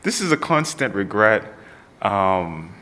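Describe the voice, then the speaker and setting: A man's voice: lowish voice, sing-song, slow, pushed and bright, a little hiss or hum. A man giving a candid, casual answer in an interview. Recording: reverberant hall.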